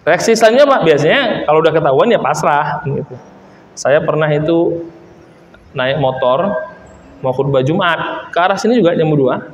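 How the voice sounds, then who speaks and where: A man preaching as an ustadz, telling lively stories from the pulpit and acting out the people in them. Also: fairly high pitch, normal speed, long pauses, slight background noise. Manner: animated storyteller who acts out quoted voices. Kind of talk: sermon with storytelling. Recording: echoey hall with long reverb.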